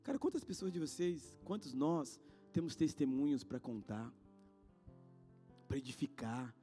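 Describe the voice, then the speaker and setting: A man in his thirties with a Brazilian Portuguese accent, preaching in church. He talks in slangy, casual asides, swinging between loud exhortation and hushed storytelling. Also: fairly high pitch, expressive, measured pace. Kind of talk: sermon. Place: church sanctuary. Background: faint guitar music.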